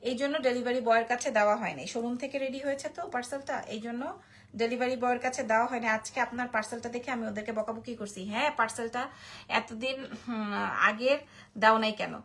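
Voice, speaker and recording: A woman's voice: a little high, steady tone, fast talker, fairly bright tone. A sleepy woman with a Bangladeshi Bengali accent, chatting through a live-stream jewelry sale, repeating prices and reading out viewer comments. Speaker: online jewelry seller. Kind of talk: live-stream sales pitch.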